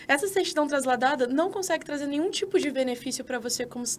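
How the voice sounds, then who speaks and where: A Brazilian woman with a Brazilian Portuguese accent co-hosts a podcast. Her voice sits high and she talks fast. She speaks with energy and persuasion and addresses listeners directly, with a faint rumble underneath. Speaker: citizenship consultant, podcast co-host. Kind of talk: casual podcast chat.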